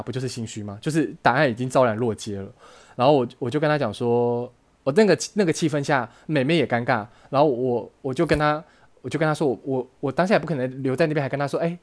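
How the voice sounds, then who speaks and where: A man hosting a podcast, telling a personal story in an earnest, emotional way and often restarting his phrases. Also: medium pitch. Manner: earnest, emotional, halting with frequent self-restarts. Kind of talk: casual storytelling monologue.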